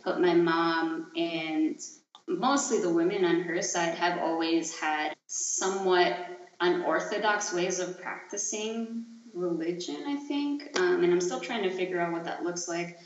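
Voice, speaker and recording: A speaker in their late twenties from Chile, giving reflective, searching answers as an interview guest, often hesitant and trailing off. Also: mid-range voice. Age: late 20s. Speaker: podcast guest, artist and activist. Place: echoey room. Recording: dull, roomy lo-fi sound.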